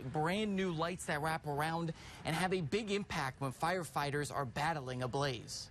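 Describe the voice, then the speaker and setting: In a normal speaking voice, a man with fairly high pitch talks at a moderate pace with ordinary pitch variation. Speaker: TV news reporter. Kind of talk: TV news reporter package.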